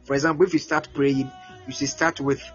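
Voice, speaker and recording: A man's voice: mid-range voice, brisk. A Ghanaian man preaching a teaching sermon, repeating words often as he explains. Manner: repeats words, animated, acts out prayers and voices. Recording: muffled lo-fi with faint music.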